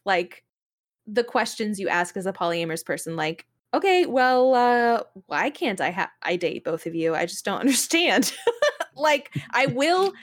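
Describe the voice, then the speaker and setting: A young woman chatting casually on a podcast in an animated, rambling way, full of "like" and exasperated storytelling. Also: medium pitch. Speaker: podcast co-host. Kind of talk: casual chat about games and anime.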